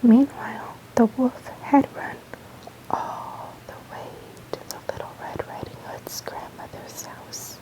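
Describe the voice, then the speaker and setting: A woman reading a fairy tale aloud in a soft, soothing ASMR whisper. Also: high voice, fairly even intonation, slow pace, rough recording. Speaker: storyteller.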